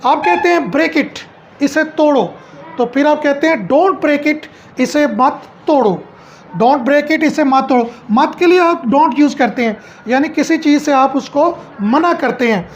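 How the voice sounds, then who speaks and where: A woman's voice: sits high, measured pace, muffled recording, a little hiss or hum. A middle-aged woman at home teaching English phrases, asking each one back as a question and then answering it.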